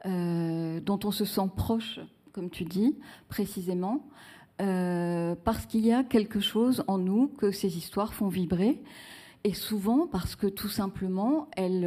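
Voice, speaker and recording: A woman's voice: mid-range voice, takes it slowly, warm tone. A woman author in a live book talk, speaking reflectively with many fillers and restarts as she searches for her words.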